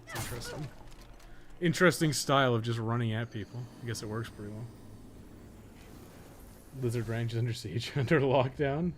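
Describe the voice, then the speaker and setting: Male game streamer, mid-pitched, casual and sweary, muttering play-by-play with noticeable background noise. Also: normal speed, pauses often. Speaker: game streamer, podcast host. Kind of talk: casual live gameplay commentary.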